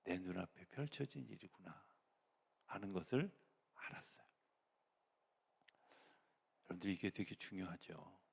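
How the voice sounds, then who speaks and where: Gravelly middle-aged man preaching. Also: low-pitched, measured pace, pauses often. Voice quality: gravelly, husky. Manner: animated preaching, swings between raised voice and near-whisper. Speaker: pastor. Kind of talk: sermon. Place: church sanctuary. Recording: long church reverb.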